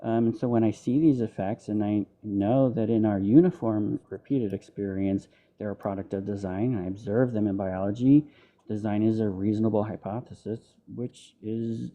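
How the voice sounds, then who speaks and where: A man with a lowish voice and fairly even intonation argues his case at a normal speed in a live online debate, pressing his points with many ums and restarts. He's heard through a muffled phone or headset mic on a call, so the audio is dull and lo-fi, almost as if he were underwater.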